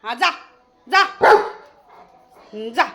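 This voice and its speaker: A woman's voice: very slow, pushed and bright. A woman vlogging outdoors as she teases and scolds her dog, laughing often. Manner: scolding and teasing, with frequent laughter. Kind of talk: casual vlog talk to her dog. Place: outdoors in an open ground.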